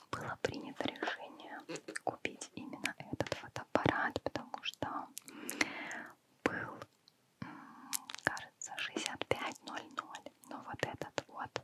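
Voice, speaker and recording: Whispering and soft-spoken, a woman talks at a very slow pace with long, frequent pauses over loud background noise. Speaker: unboxing vlogger. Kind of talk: casual unboxing commentary. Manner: close, soft ASMR whisper.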